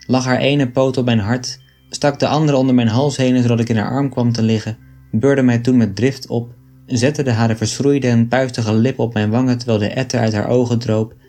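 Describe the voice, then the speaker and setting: A man reading aloud an old book in a measured, deliberate way. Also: mid-range voice, mellow. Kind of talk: scripted narration of an 18th-century text.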